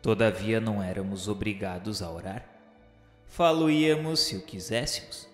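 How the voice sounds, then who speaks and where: A man's voice: on the low side, moderate pace, close to an everyday voice. A Brazilian man playing a remorseful male spirit who narrates a radio novela in solemn, formal, literary diction. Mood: solemn, reverent. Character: remorseful male spirit of a suicide recalling the afterlife. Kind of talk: dramatized first-person narration of a radio novela. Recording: echoey hall reverb with music.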